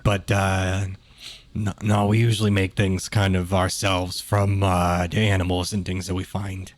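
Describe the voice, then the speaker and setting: A man's voice: low-pitched, little pitch movement, measured pace, no echo. Dry, close-sounding man running a tabletop game. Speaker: game master. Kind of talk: casual improvised game narration and chat.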